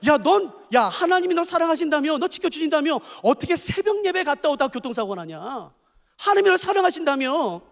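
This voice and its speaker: A preacher doing a sneering Satan. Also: male voice, very high-pitched, sing-song, a little fast, vocal fry, big-room sound, full character voice. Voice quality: jeering, mocking questions. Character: taunting male Satan, mocking and sneering.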